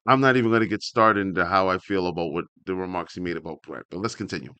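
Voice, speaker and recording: Low-voiced man doing casual read-along commentary. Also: fast talker, clean tone, dry recording, highs cut off. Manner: animated asides, interrupts himself while reading. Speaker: host reading a wrestling article aloud with commentary.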